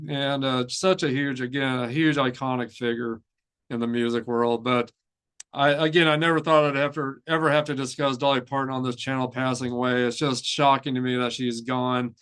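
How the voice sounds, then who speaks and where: A man hosting a music news show, speaking in a casual, off-the-cuff way with halting, rambling delivery and repeated phrases. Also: mid-range voice, steady tone, fairly bright tone, clean tone. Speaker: host of a heavy metal news show.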